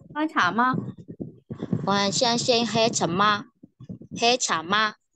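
The pace is very slow. Noticeable background noise sits under a dry sound with no echo. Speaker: student. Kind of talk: language class practice. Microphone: video call.

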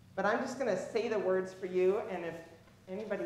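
With audible room echo and light background noise, a woman speaks at a moderate pace in a fairly low voice. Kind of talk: announcements to congregation. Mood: friendly, lightly humorous. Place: church.

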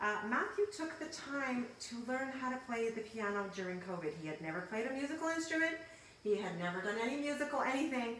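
A woman speaks at a high pitch and a fairly quick pace. Audible room echo and light background noise surround her voice. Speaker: community interviewer. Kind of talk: interview introduction. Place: home room.

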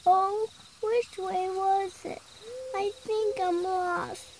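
A put-on character voice at an extremely high pitch, delivered at a very slow pace amid clear background noise. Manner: fearful.

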